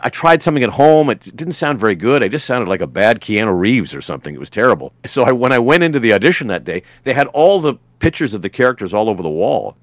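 A man's voice: fairly low pitch, no echo. A man, a voice actor guest on a podcast, telling rambling anecdotes with lots of restarts and fillers. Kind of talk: casual podcast interview.

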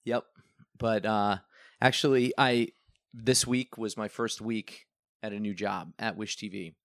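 A man's voice: lowish voice, steady tone, unhurried, dry recording, clean studio sound. A young man from the Northeastern US, a TV news reporter, telling rambling stories in a casual podcast chat and laughing often.

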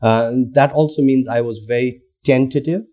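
The speaker is a Nepali guest lecturer and researcher in his thirties, whose medium-pitched, mellow voice stays steady at a moderate pace. He reflects carefully in academic conversation, often restarting and using fillers.

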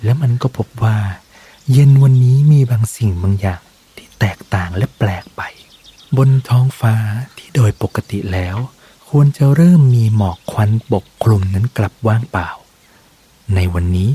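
Breathy low-voiced male storyteller. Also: lively intonation, moderate pace, dark tone. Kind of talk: soft ASMR bedtime story narration.

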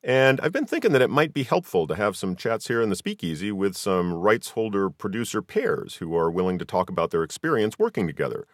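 A man's voice: lowish voice, sing-song, fairly quick, few pauses, dry recording, studio quality. A middle-aged American man hosting a casual conversational interview. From Southern California, US. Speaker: podcast host.

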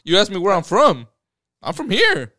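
A man's voice: high voice, huge pitch swings, normal speed, pushed and bright, no room sound, clean studio sound. A man from Houston arguing heatedly in a casual podcast debate, swearing and hammering the same point. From Houston, Texas. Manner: argumentative, swears, repeats his point. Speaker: podcast co-host.

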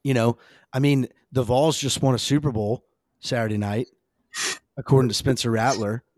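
A man with a slightly hoarse voice hosting a casual, rambling, emphatic fan talk on a sports podcast. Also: mid-range voice, fairly even intonation, normal speed, darkish tone, no echo.

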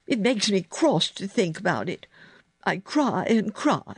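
A woman's voice: medium pitch, sing-song, measured pace, husky, no echo, pitched above the performer's own voice, exaggerated voice. A woman voicing a sickly, spoiled ten-year-old boy, cross and demanding, in a storybook reading. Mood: cross, mournful. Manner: cross, demanding, self-pitying.

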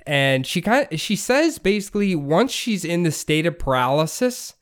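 A man's voice: a little high, big pitch swings, moderate pace, clean tone. A man hosting a podcast, telling a story in a laid-back, casual way, swearing and laughing often. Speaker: podcast host.

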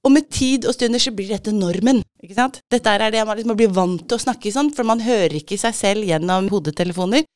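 A woman's voice: mid-range voice, few pauses, a little mellow, no echo, studio quality. A woman hosting a conversation, explaining voice exercises and guiding the others through them. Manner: guiding, explanatory, laughs easily. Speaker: host leading voice exercises. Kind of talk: instructive podcast conversation.

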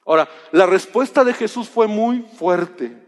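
A man's voice: high-pitched, lively intonation, a little slow, long reverb tail. A man preaching a sermon in a conversational way, acting out biblical dialogue as he tells it.

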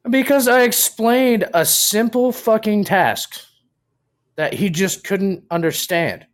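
A man's voice: sits high, takes it slowly. A man co-hosting a casual podcast over a video call, grumpy and swearing heavily. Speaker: podcast co-host. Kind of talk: casual chat.

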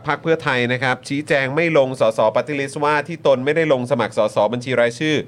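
A man's voice: on the high side, fast talker. A man hosting a casual news talk show, reading headlines aloud with polite particles and fillers.

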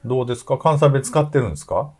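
Animated Kansai man hosting a chat show. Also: medium pitch, very fast, slightly rough. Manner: animated, chatty, teasing. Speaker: podcast host. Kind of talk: casual chat, reading listener mail.

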